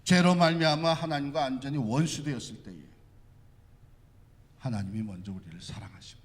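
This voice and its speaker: Male pastor, sermon, impassioned and repetitive, mid pitch, echoey hall. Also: a little fast.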